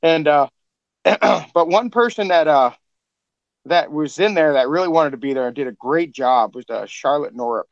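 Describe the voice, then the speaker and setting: A man's voice: on the high side, moderate pace, no echo, dull audio. Rambling, enthusiastic podcast man. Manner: rambling, enthusiastic praise with many fillers. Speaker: podcast producer. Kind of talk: casual behind-the-scenes chat.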